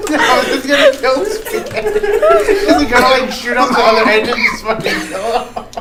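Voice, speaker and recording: A woman's voice: sits high, wildly swooping pitch, moderate pace, echoey room, a loud crowd, very noisy. A woman playing a tabletop role-playing game, laughing and exclaiming at the action. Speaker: player. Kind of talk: casual tabletop play.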